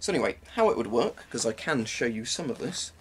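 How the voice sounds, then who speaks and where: A man's voice: medium pitch, sing-song, brisk. A British man in his twenties giving an informal, rambling explanation as he demonstrates gear. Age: 20s. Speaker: presenter of military gear reviews. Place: small cluttered room at home. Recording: clearly noisy home-room recording.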